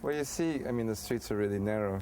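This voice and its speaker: A man's voice: on the low side, quick pace, mellow, slight background noise. An American man talking as an interview guest in a casual, rambling way, with many fillers and restarts. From United States.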